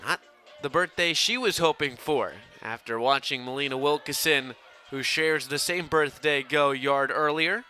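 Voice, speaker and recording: A young man calls live sports play-by-play at a measured pace, his somewhat high voice projected, pushed, and bright, rising for big plays. Faint outdoor ambient noise sits behind him.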